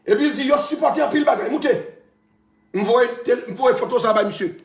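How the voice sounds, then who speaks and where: A man with a Haitian accent, ranting loudly on a live stream, repeating phrases and laughing between shouts. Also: extremely high pitch, fast talker, roomy sound. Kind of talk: heated live-stream rant.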